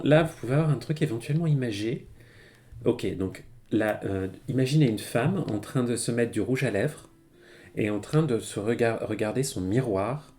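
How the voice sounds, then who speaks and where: A man's voice: fairly low pitch, a little mellow. A man giving a casual, chatty live-streamed language lesson, with many fillers and frequent laughs as he explains. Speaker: Japanese teacher. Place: home streaming setup.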